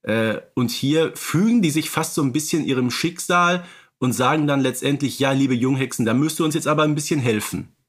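A man's voice: medium pitch, fairly quick. A man co-hosting a fan podcast, talking casually and rambling with many fillers and restarts. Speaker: podcast co-host.

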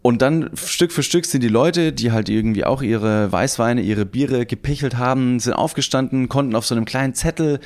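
Man, podcast co-host, casual storytelling, mid-range pitch, enthusiastic, repeats himself. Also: moderate pace, hardly any pauses, a little mellow. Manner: enthusiastic, rambling, with many repeats.

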